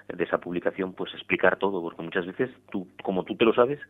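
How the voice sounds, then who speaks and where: Deep-voiced priest on a tinny radio line. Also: male voice. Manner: measured, explanatory, with frequent tag questions. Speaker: priest guest on religious radio. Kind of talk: radio interview.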